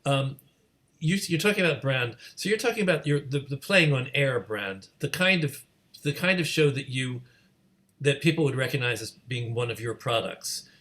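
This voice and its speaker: Man, interview host. Medium pitch, informal, halting delivery with repeated word starts and stammered phrasing. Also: lively intonation, pushed and bright. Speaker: host, moderator. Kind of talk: casual interview moderating.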